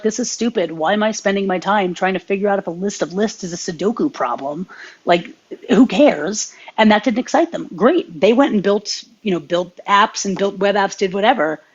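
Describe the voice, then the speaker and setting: A young adult woman co-hosting a podcast, giving earnest, animated advice in casual chat. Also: mid-range voice, brisk, breathy edge, muffled recording. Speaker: podcast co-host.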